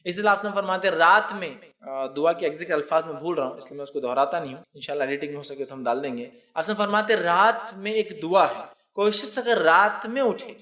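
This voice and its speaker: A man with a fairly high voice preaches in an easy, talk-to-you manner. He explains through homely examples, restarts his sentences and keeps asking whether his listeners are following along. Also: few pauses, bright, forceful tone. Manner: conversational and unscripted, with restarts and asides. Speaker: Islamic preacher. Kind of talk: religious talk.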